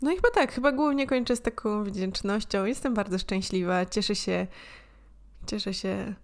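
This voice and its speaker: A woman's voice: mid-range voice, normal speed. A woman co-hosting a casual podcast, sounding congested and talking through her nose because of a cold. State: has a cold. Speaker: podcast co-host.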